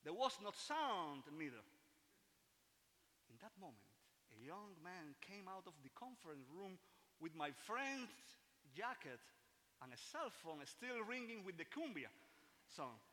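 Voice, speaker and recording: Cuban-accented male storyteller, bright tense voice, animated pitch, earnest and measured, reverberant hall. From Cuba. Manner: earnest, measured, with small restarts and asides. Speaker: speaker telling a personal story. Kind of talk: storytelling talk. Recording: long reverb of a large hall.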